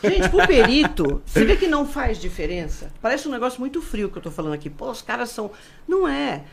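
A woman's voice: a little high, quick pace, vocal fry. A middle-aged woman with a Brazilian accent, a forensic expert explaining cases in a casual interview. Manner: animated, explanatory, acts out quoted speech.

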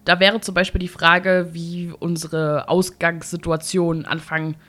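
A woman's voice: fairly low pitch, flat delivery, a little slow, sharp tone. A woman hosting a podcast, chatting loosely and laughing, her voice slightly congested from a cold. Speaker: podcast host. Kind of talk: casual podcast chat.

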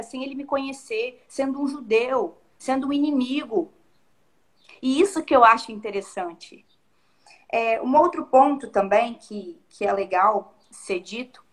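Bright-voiced woman reflecting aloud. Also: sits high. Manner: reflective, acts out quoted speech in varied tones. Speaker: co-host of a Bible discussion. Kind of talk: casual devotional chat.

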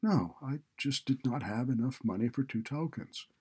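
A man's voice: mid-range voice, lively intonation, moderate pace, a little mellow, husky, voice pushed up. A man voicing an embarrassed but defiant teenage female student in a story, speaking plainly and earnestly. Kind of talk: audiobook character dialogue.

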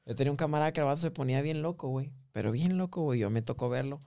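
A man tells stories in a casual chat among friends. His voice sits a little high, and he keeps dropping into slang and laughing as he acts out the people in his tales. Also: rapid-fire, vocal fry, warm tone. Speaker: podcast host.

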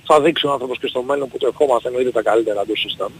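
A man in his forties with a gravelly, husky voice calls in to a radio show. He lays out his view in a measured, reasoned way, pausing on fillers as he goes. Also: medium pitch, low-quality recording. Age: 40s. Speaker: caller. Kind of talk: call-in opinion.

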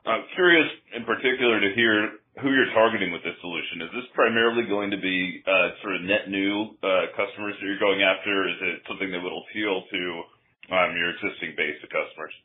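A man's voice: deep voice, brisk. A male financial analyst putting questions to executives on an earnings call. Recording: narrow phone-band call.

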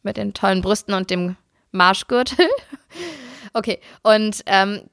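A woman co-hosting a podcast, telling stories in a casual, animated way and laughing often. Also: medium pitch, a little slow, no room sound, studio quality. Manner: animated storytelling, acts out her sisters' voices. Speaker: podcast co-host.

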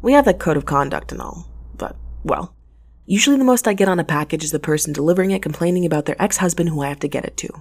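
A wry, restless mail courier of the space lanes, in an audio drama. The voice sits a little low and has a husky grain. The delivery is conversational and sardonic, like someone muttering to themself. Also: female voice, lively intonation, fast, a little mellow. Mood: wry, confiding. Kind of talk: audio drama acting with first-person narration.

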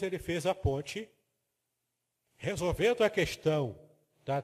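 A man's voice: on the high side, darkish tone. Didactic man in a hall. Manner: didactic, explains terms step by step, asks the listener to confirm. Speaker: Bible teacher. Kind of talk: biblical teaching lecture with slides.

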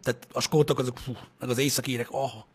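A young man in casual chat, ranting, swearing and now and then shouting as he co-hosts. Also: medium pitch, fairly even intonation, breathy edge.

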